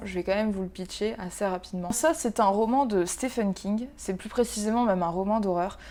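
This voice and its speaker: A woman speaks at a moderate pace with ordinary pitch variation. Her fairly high voice has a dark, mellow tone. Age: 20s. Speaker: book youtuber. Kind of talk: casual talk to camera. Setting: apartment. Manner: casual, joking.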